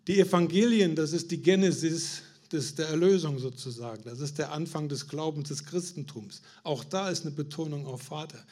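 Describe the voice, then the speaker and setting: A man with a somewhat high voice delivers a sermon to his congregation. He puts questions to them, builds up emphasis and restarts words as he goes. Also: normal speed, hardly any pauses, a little mellow. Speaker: preacher.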